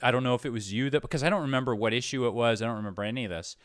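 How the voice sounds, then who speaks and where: A man's voice: medium pitch, racing, clear, resonant tone, no echo, studio quality. A man chatting casually as interviewer, hesitant and rambling, often correcting himself. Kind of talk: casual conversation.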